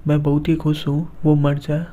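A man's voice: fairly high pitch, monotone, moderate pace, dark tone, natural voice. A man reading as a scheming, fawning sidekick. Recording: dull lo-fi recording.

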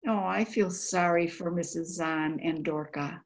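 Older woman, slow emotional reading. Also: fairly low pitch, fairly even intonation. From United States. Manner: emotional, halting, sighing delivery. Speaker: volunteer diary reader. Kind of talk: dramatic reading of a diary. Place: indoor room by a window.

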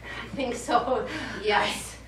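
A high-voiced, melodramatic lady diva played by an actress on stage, wistful and gushing. She takes her lines slowly and theatrically. The recording is distant and very echoey, with clear background noise. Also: fairly even intonation. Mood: subdued. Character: melodramatic, sentimental diva ventriloquist Miss Ladeau. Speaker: stage actor. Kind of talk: live stage comedy acting. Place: small indoor theatre stage. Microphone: far camera.

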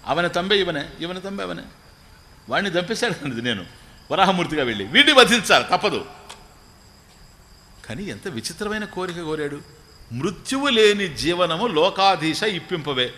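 This spiritual teacher has a high, sing-song voice with a sharp tone. He delivers a religious discourse built around stories, chanting verses of scripture slowly before unpacking them in plain, joking talk.

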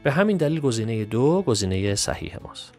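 A man teaching English grammar through an exam walkthrough. He is methodical and reads the English examples out slowly and clearly. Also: medium pitch, very animated, a little mellow, soft background music.

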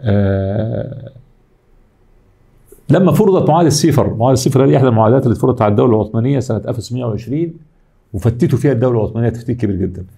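Fast-talking Egyptian man lecturing. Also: mid-range voice, lively intonation, gravelly, warm tone, slightly rough. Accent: Egyptian Arabic. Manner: explains step by step, asks and answers his own questions, many fillers. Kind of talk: academic lecture.

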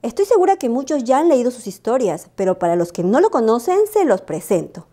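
Lady doing a bright singsong welcome for kids story time, high pitched and really animated. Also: brisk. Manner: bright sing-song welcome. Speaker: host reading children's storybooks. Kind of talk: children's storytelling, welcoming young listeners.

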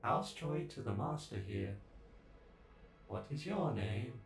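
A man's voice: mid-range voice, lively intonation, takes it slowly, vocal fry, exaggerated voice. A man voicing a polite, servile robot butler in an ASMR roleplay, speaking formally and deferentially. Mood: polite, curious. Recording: echoey, with background music.

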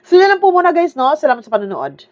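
A woman's voice: sits high, big pitch swings, fast, a little mellow. A woman vlogger giving sarcastic casual commentary, peppering her talk with tag questions and laughs. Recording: dull lo-fi audio.

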